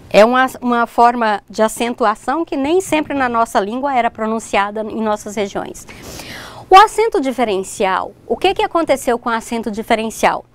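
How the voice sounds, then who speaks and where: A woman teacher leads a recorded online lesson, her fairly high voice swinging widely in pitch. She explains examples step by step and talks straight to her students, often checking that they follow. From Brazil. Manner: addresses students directly, points at examples. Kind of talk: recorded distance-learning lesson.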